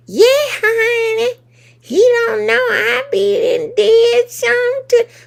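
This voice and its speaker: A put-on character voice that sounds female creeps along at a very slow pace. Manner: warm, folksy.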